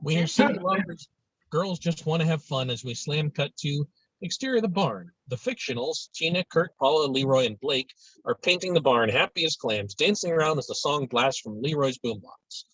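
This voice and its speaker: A man narrating stage directions in a lively way at a screenplay table read. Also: on the high side, normal speed, husky, no room sound. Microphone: video call. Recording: dull lo-fi video call audio.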